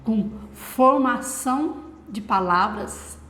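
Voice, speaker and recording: Brief: Brazilian woman teacher, higher voice, talks teachers through a method with rhetorical questions, echoey room. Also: expressive, slow, a bit bright. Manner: explanatory, with rhetorical questions to the audience. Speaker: literacy teacher.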